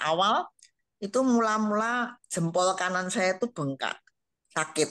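A woman's very slow speech with lively intonation against a quiet background. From Central Java, Solo; Central Java. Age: 70s. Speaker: seminar participant asking for advice. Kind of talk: health consultation question. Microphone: video call.

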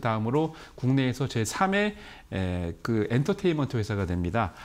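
At a moderate pace, a man's voice moves through very wide pitch swings. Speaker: stock market analyst. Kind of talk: market commentary. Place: studio. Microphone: lapel.

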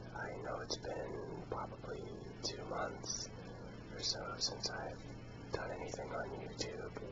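A man's very slow speech over loud background noise. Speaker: ASMR creator. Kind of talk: ASMR video with casual talk to camera. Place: home room. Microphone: studio mic.

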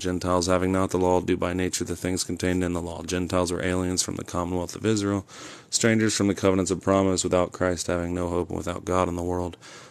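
Speaking very fast, a man delivers his lines at a very deep, low pitch in a monotone, flat intonation. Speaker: YouTube live streamer preaching. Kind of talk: live stream monologue, preaching-style teaching. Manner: fast talker; earnest, insistent.

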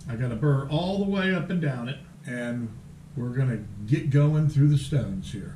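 Light background noise and audible room echo accompany a man speaking with ordinary pitch variation. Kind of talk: casual tutorial commentary. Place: workshop.

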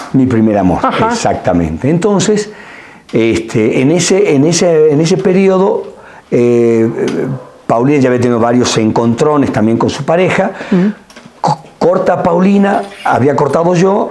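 Fairly high in pitch, a man speaks at a fairly slow pace. His pitch swings very widely while his loudness stays very even. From Argentina. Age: 50s. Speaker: actor. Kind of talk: interview answer. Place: studio.

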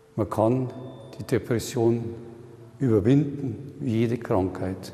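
Very slow delivery from a man, with ordinary pitch variation. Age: 70s. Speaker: artist, painter. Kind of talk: interview answer. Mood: earnest, reflective, hopeful. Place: hall. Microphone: lapel.

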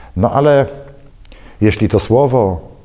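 Over a quiet background, a man with a dark, mellow tone talks very slowly, his intonation lively. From Poland. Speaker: political commentator. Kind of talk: spoken commentary monologue. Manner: measured, with hesitations. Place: studio.

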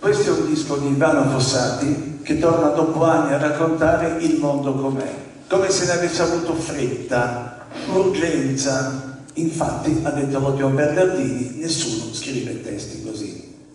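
Moderate pace and ordinary pitch variation, with strong room echo and light background noise. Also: man, fairly high pitch for a man. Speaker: video maker and journalist. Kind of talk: press conference questions and commentary. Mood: calm, wry. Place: hall. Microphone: camera far.

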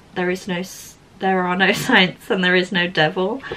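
Light background noise is present. Through it, a woman speaks. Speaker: book vlogger. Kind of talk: casual vlog chat. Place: home room. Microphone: camera far.

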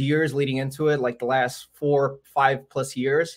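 A man with an American accent, fairly high in pitch, at a moderate pace with fairly even intonation against a quiet background. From US Midwest, Chicago area. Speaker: land investor and digital marketer; interview guest. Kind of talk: casual interview. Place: home room.

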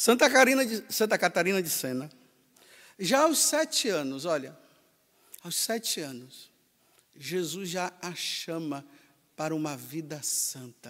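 A man talks at a high pitch with very wide pitch swings. His pace is fairly slow, broken by long, frequent pauses. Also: big swings in loudness. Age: 50s. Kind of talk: homily. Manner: conversational, informal. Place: church. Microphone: podium.

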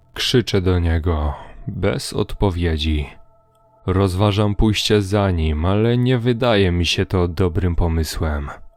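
Over noticeable background noise, a man with a very deep, low voice speaks in a dramatic tone. His pace is very slow, his loudness very even, and his pitch varies in an ordinary way. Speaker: horror story narrator. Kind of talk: scripted horror story narration, first-person creepypasta of a park ranger, read aloud. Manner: tense, hushed suspense, building dread with dramatic pauses.

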